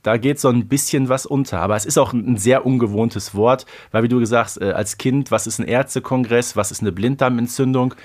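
A man co-hosting a podcast, discussing an audio drama episode in a lively, enthusiastic way. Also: mid-range voice, fairly quick, few pauses. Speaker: podcast co-host. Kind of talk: casual chat about an audio drama episode.

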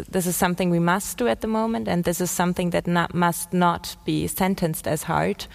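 A woman whose first language is German, speaking earnestly in English on a panel and sometimes searching for words. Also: lowish voice. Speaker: climate activist guest. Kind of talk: panel discussion.

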